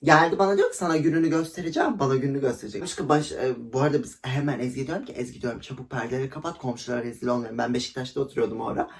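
A woman's voice: very deep voice, rapid-fire, creaky, hardly any pauses. A young woman telling a story in a casual vlog, gossipy and dramatic, acting out quotes with laughter. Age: young adult. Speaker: vlogger.

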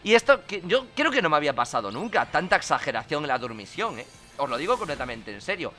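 Excitable, bright-voiced man commentating. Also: a little high, fast talker. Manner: swearing, exasperated outbursts and shouting. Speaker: gaming commentator. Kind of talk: live gameplay commentary. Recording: game music playing faintly behind.

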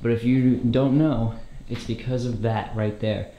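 A young man vlogging casually as he explores an abandoned house, talking excitedly to viewers in slangy speech on a handheld camera. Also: mid-range voice, unhurried, highs cut off, slight background noise. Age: young adult. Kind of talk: casual walkthrough narration. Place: empty abandoned house, large indoor rooms. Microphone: handheld action camera. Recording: echoey empty rooms.

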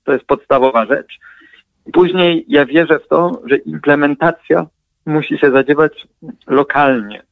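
A man talks over a tinny phone line with no room sound at all. His pitch sits in the middle, and his explanation comes out in halting bursts broken by fillers and restarts. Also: no echo. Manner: hesitant, many fillers and restarts. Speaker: guest mathematician and analyst. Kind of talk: radio interview over the phone.

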